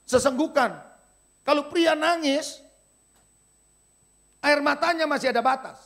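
A middle-aged man, a pastor preaching a sermon with animated storytelling. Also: very high-pitched, measured pace. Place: church service.

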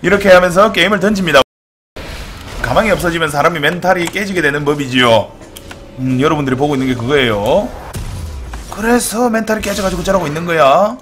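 Male game caster, high and sharp-toned, playful mock-drama, shouts then mutters, faint hiss. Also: fairly quick. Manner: jokey and mock-dramatic, swinging from excited shouts to low mutters. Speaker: game commentator. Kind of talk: casual game commentary.

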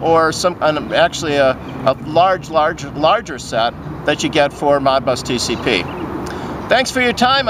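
High-voiced middle-aged man talking outdoors. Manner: loose and unscripted, with restarts. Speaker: company host. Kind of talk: casual on-location talk to camera. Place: outdoors in front of a stadium. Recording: noisy outdoor recording, slightly distant mic.

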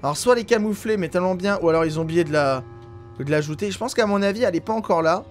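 French male let's-player, high voice, chatty and excitable, rambling casual commentary. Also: rapid-fire, soft background music. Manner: chatty, excitable, thinks aloud with many fillers. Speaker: gaming YouTuber.

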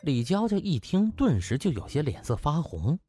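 A male audiobook narrator tells a comic novel dramatically. His voice is husky, with very animated, swinging intonation, and music plays faintly behind him. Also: on the high side, moderate pace.

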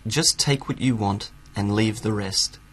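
A man's voice: fairly low pitch, measured pace, fairly bright tone, breathy edge. Man doing a teasing old lock keeper.

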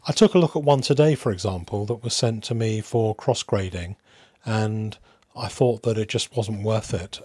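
A man hosting a hobby video in a casual, unscripted way, musing aloud with hesitant pauses. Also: fairly low pitch, darkish tone, dry recording. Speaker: host of a coin collecting channel.

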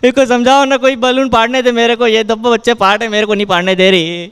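A man's voice: very high-pitched, fairly even intonation, fast talker, gravelly, a bit bright, smooth, in a large hall, exaggerated voice. A man playing a bratty, stubborn boy who wants to pop balloons and eat cake, in an improvised comedy sketch. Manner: whiny, stubborn. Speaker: contestant.

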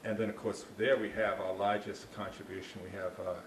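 Lowish and fairly quick, with little pitch movement, a park ranger from Boston delivers an informal talk and fields audience questions via handheld mic. He chats, restarts frequently, and slips in dry jokes. It's a small dark meeting room with a slide screen, and the audio is echoey with faint noise.

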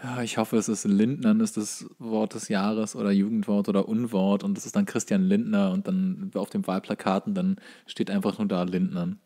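A man's voice: on the low side, flat delivery, moderate pace, hardly any pauses, dark tone. A man co-hosting a podcast in casual comedic banter, talking in a joking, rambling way. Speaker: podcast co-host.

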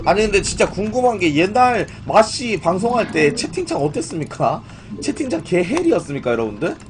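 High-pitched man live-streaming with strained throat. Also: sing-song, a little fast. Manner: informal, repeatedly questioning and addressing viewers. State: strained throat, voice in poor condition. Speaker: live-stream host, gaming broadcaster. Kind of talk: casual live-stream chat with viewers. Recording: music playing behind the voice. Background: music, keyboard typing.

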